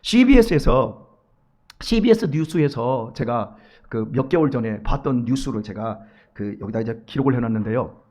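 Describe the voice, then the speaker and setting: A male pastor preaching a sermon in a church, acting out quoted voices and swinging between loud urging and hushed asides. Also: medium pitch, expressive, normal speed. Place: church sanctuary.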